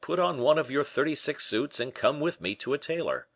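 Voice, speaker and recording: A man voicing a shrewd, calm middle-aged friend in an audiobook, speaking in a wry, reassuring, measured way. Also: fairly high pitch, pitched above the performer's own voice. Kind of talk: audiobook character voice.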